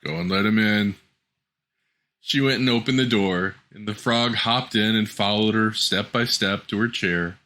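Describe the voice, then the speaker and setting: A man with a fairly low voice tells a fairy tale. His tone is bright and forward, and his scripted storytelling is measured and expressive.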